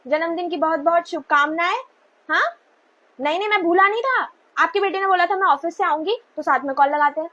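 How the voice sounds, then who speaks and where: A woman's voice: extremely high pitch, sharp tone, lo-fi sound. A woman playing a young husband who eagerly reassures his in-laws on a call. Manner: overly agreeable, quick assurances.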